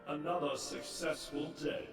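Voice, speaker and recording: A prim butler robot. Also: male voice, fairly high pitch, fairly even intonation, unhurried, vocal fry. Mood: courtly. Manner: formal, courteous, fussy about duty. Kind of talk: video game character dialogue. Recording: echoey and distant, game music behind.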